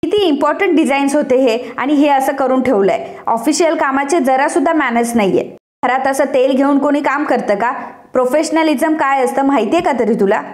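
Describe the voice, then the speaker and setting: Woman reading as a snappy young boss guy, scolding, her voice pitched high. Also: a little fast, a little mellow, reverberant, close to an everyday voice. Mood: angry. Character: irritable young male businessman, stern.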